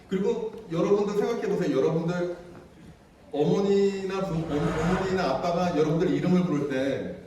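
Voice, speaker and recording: A man preaching a children's sermon as pastor, chatty and playful, speaking gently to the kids. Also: a little high, slight background noise. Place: church sanctuary. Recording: echoey church hall from far off.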